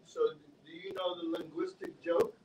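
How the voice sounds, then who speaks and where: A man in the audience speaks up playfully, his voice pitched a bit high. He sounds far from the mic in an echoey room. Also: little pitch movement, moderate pace, a little mellow, slight background noise. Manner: playful, tells a joke. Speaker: audience member.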